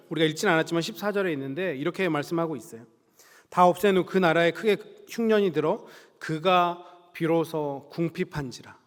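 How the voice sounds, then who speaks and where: A male pastor preaching a Sunday sermon in a church sanctuary, earnest and measured, slowing down to stress key words. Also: high-pitched. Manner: earnest, measured preaching with slow emphatic stretches. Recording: reverberant church hall.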